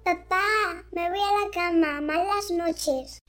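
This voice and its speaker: A performer voicing a small monster child in an audio drama, with a squeaky, halting, childlike voice. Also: bright, forceful tone, soft background music, heavily acted. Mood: childlike, pleading. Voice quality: squeaky, very high voice.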